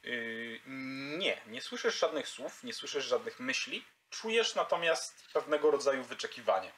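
A man's voice: medium pitch, big pitch swings, normal speed, a bit bright, slight background noise. A man narrating a tabletop game as game master, hesitant, with frequent fillers.

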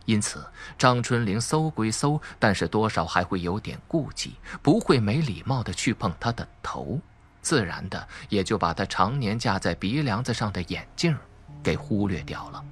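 A man's voice: on the low side, expressive, moderate pace, husky. A man narrating a suspense audiobook in a dramatic, emphatic storytelling manner.

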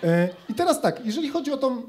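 A man's voice: extremely high pitch, very animated, fast talker, a little mellow, a little hiss or hum. A young man performing an ironic, conversational stand-up comedy monologue on stage into a handheld mic. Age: young adult. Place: student club stage in front of an audience. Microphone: handheld microphone.

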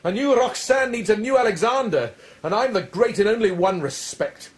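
A lovesick, proud poet-swordsman in a verse radio play. His voice sits slightly high. He speaks with theatrical eloquence and mocks himself lyrically. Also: lively intonation, normal speed. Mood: bitter, fearful. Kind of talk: verse radio drama acting.

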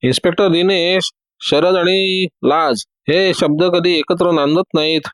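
Cocky teasing detective guy, man doing it, slightly raised pitch, dry sound, storybook reading. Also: steady tone, a little slow, a bit bright, no echo. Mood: breezy. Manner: teasing, breezy. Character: confident witty male detective.

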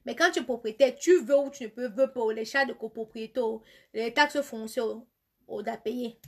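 Cameroonian woman streamer, somewhat high voice, chatty and teasing. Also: moderate pace. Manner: chatty, reads comments aloud, teasing and emphatic. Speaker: live streamer answering viewer comments. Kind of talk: casual live chat.

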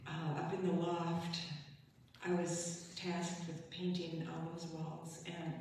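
Older woman speaking slowly in a chapel. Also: lowish voice, level tone, darkish tone, slight background noise. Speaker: congregation member. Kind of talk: farewell remarks. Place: large chapel with hard walls. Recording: echoey chapel, voice far from mic.

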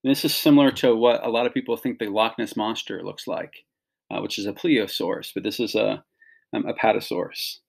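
A man's voice: fairly low pitch, fairly even intonation, a little fast, vocal fry. A middle-aged man giving an instructional read-along for children, explaining and pointing things out in simple phrases. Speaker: teacher reading a picture book aloud to children.

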